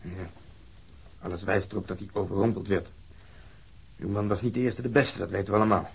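An actor playing a gruff, blunt police detective in a radio drama, with a gravelly, husky voice. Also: male voice, on the low side, fairly even intonation, fairly quick, heavily acted. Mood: sober, blunt. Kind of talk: naturalistic radio drama acting.

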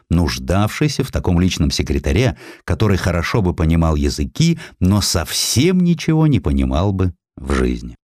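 A man reading a literary historical narrative aloud in an expressive, scripted storytelling style. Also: sits low, no room sound, clean studio sound. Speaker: audiobook narrator. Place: dry studio.

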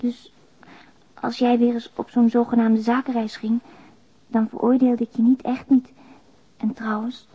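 A woman's voice: on the high side, level tone, measured pace, long pauses, mellow, husky. An actress playing a despairing young single mother who confides in a plain, subdued way, as in a radio drama letter. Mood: tender, confiding. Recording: dull, lo-fi radio drama recording.

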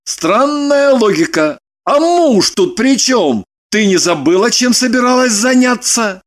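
An actor playing a wry, flirtatious man who talks a hysterical woman down with dry, mocking calm. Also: sits high, a little slow. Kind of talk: audiobook character reading.

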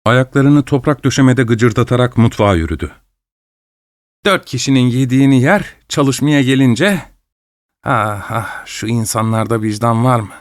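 A stingy old father-in-law grumbles and scolds with scorn. A man acts him out in an audiobook. His voice is smooth and the recording dry. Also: medium pitch, normal speed, no echo, lightly acted. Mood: scolding. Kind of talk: audiobook reading.

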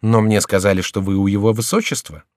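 A man's voice: on the low side, fairly even intonation, fairly quick, a little mellow, dry recording, clean studio sound, close to an everyday voice. A man voicing a timid, flustered male court musician who stammers at times.

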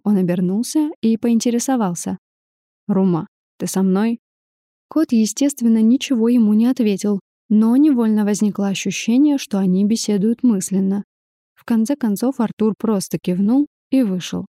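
A woman reading a first-person novel aloud as audiobook narrator, even in narration and lively in the heroine's lines. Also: medium pitch, normal speed, no echo, studio quality.

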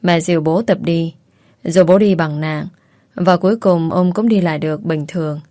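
A woman narrating a first-person audiobook story in a calm, measured way. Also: fairly low pitch, no echo, clean studio sound.

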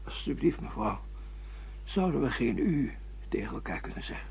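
A man's voice: medium pitch, sing-song, moderate pace, creaky, darkish tone, slight background noise. A man acting a bewildered, sardonic middle-aged amnesiac husband in a Dutch radio play, with theatrical, ironic delivery. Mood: uneasy. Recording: muffled lo-fi radio play recording.

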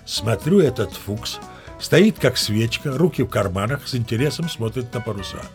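An actor playing an old sea captain spinning tall tales in an audio play, with a gravelly, husky voice and a folksy, self-assured way of talking. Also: male voice, mid-range voice, lively intonation, moderate pace, soft background music, lightly acted. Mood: chatty, self-assured. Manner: folksy, conversational, addressing listeners. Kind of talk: dramatised storytelling in an audio play.

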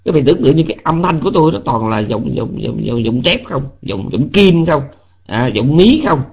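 Southern vietnamese monk preaching, kinda high voice, emphatic scolding questions, dull lo-fi sound. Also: male voice, sing-song, fairly quick, creaky, husky. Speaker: Buddhist monk lecturer. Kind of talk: dharma lecture. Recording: lo-fi online voice chat audio.

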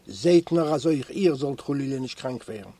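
A man voicing a feverish young male prisoner who speaks weakly, quietly and haltingly while reading a storybook aloud. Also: medium pitch, expressive, no room sound. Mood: resigned.

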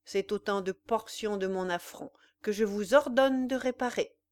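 A woman reading a defiant young gentleman who speaks with cold contempt. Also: medium pitch, normal speed, dry recording, natural voice. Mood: cold defiance.

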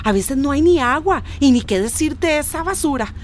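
A shrill, fed-up neighbor. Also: female voice, animated, normal speed, a little hiss or hum. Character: fed-up excitable village neighbor woman. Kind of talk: radio drama acting.

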